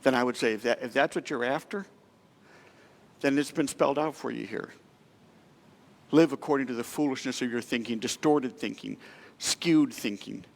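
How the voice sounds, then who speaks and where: A man's voice: mid-range voice, normal speed, vocal fry, long pauses, long reverb tail. A middle-aged man preaching a sermon as pastor, speaking in a conversational, emotional way and asking the congregation many questions. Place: church sanctuary.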